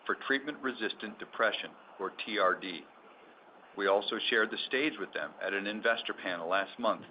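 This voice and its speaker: A man speaking as a chief executive delivers formal, measured, scripted remarks on an earnings call. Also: fairly low pitch. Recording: dull conference audio with background noise.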